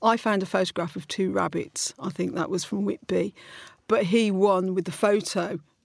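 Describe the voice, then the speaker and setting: On a very clean recording with a silent background, a woman uses vocal fry at a moderate pace with fairly even intonation. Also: medium pitch for a woman. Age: 50s. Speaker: novelist. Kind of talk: casual interview chat.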